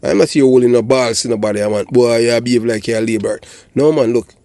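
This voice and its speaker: A man's voice: mid-range voice, quick pace, dark tone, no echo. Blunt older Jamaican man, dry sound. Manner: blunt, emphatic, often checking with "you know" and "you understand". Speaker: channel host and commentator, former police officer. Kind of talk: political commentary monologue.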